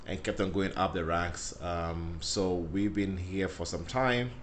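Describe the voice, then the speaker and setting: Very deep-voiced playful man. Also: measured pace, a little hiss or hum. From Ghana. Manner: playful, laughs easily, relaxed storytelling. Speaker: guest, cybersecurity expert. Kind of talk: casual podcast interview. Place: office.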